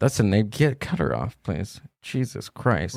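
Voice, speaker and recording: Vocal fry in a man's fairly low voice, fairly slow, with very wide pitch swings. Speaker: podcast co-host.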